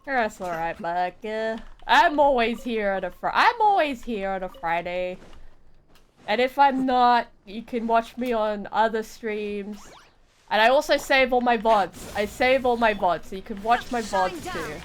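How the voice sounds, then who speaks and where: A woman's voice: a little high, expressive, measured pace. A woman chatting casually on a gaming livestream, playful and often repeating her phrases. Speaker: game streamer.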